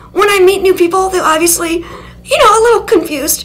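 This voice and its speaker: A breathy woman with an American accent at a very fast pace, over noticeable background noise. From Maryland. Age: young. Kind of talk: documentary interview. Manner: sounds young.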